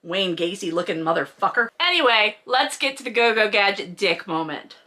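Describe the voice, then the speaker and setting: A woman's voice: mid-range voice, expressive, moderate pace, sharp tone. A woman hosting a comedic read-along, mocking a book with sarcastic, exaggerated emphasis and plenty of swearing. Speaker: host reading a book aloud and mocking it.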